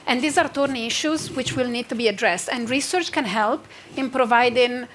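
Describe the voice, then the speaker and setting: A woman's voice: on the high side, moderate pace, fairly bright tone, slight background noise. Emphatic woman panelist. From Italy. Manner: earnest, emphatic, repeats phrases for stress. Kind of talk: panel discussion.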